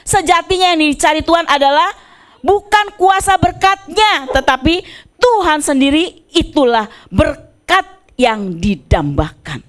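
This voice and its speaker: A woman preaching a sermon with animated delivery, moving from soft asides to loud exclamations. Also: sits high, measured pace. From Indonesia.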